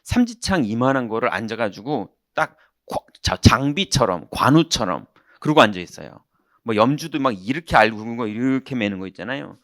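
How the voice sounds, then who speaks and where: A man preaching as a pastor, telling a personal story in an animated way and acting out the people in it. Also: mid-range voice, normal speed, dry recording, clean studio sound. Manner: animated, acts out quoted voices, shouts punchlines. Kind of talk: sermon with storytelling. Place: church sanctuary.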